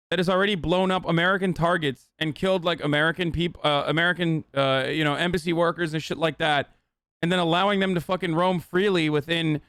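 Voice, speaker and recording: A man's voice: on the high side, a bit bright, no echo, clean studio sound. A male streamer giving heated, profane live reaction commentary. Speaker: streamer host.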